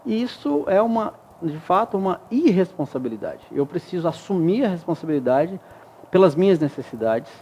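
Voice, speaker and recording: A man speaks as a guest in a TV studio interview, laying out ideas step by step with everyday examples. He has a fairly high voice and a warm, mellow tone, and he often checks that his listener is following. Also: big pitch swings, normal speed, a little hiss or hum. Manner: reflective, explains with examples and frequent tag questions. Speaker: guest expert. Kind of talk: explanatory interview talk.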